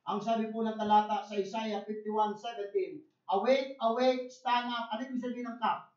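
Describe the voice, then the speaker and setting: A Filipino man preaching a bilingual sermon as pastor, shifting from soft, low asides to loud, emphatic lines, often stammering and repeating words. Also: steady tone, normal speed. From Philippines. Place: church conference hall. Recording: roomy, dull church recording.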